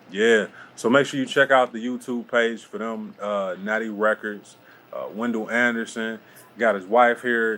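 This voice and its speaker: Against noticeable background noise, a man talks at a fairly slow pace in a monotone, flat intonation. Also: medium pitch for a man. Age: young. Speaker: radio show host. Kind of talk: casual interview chat.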